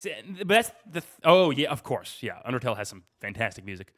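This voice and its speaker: Mid-pitched man in casual podcast chat. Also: sing-song, quick pace, fairly bright tone. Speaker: gaming podcast co-host.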